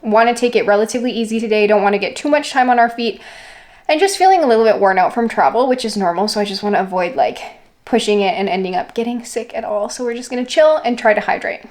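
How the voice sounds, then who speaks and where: A woman's voice: fairly high pitch, lively intonation, fast talker. A woman talking casually to camera as a travel vlogger, in an informal, conversational way with "like" sprinkled through. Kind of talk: casual vlog chat to camera.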